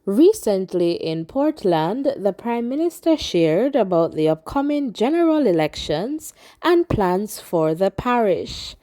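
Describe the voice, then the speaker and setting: Mellow woman presenting an update. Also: mid-range voice, sing-song. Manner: clear, measured presenting with calls to like and subscribe. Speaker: host of an update channel. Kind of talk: scripted news update.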